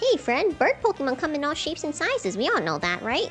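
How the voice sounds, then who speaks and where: Clear music plays behind a put-on character voice, high in pitch and very fast. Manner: friendly, exaggerated.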